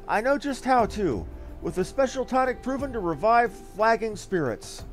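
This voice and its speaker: A man's voice: very high voice, big pitch swings, moderate pace, faint music behind. A man voicing a small, flustered, bossy young lady from a video game, chatty and gushing as he reads the dialogue aloud. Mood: coaxing, pushy. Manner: fussy, gushing, exclaiming.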